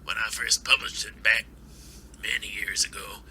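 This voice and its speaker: A man's voice: fairly low pitch, little pitch movement, moderate pace, bright, forceful tone, slight background noise. A man playing a wary, folksy older author with plain-spoken manners in an amateur audio drama. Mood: rueful.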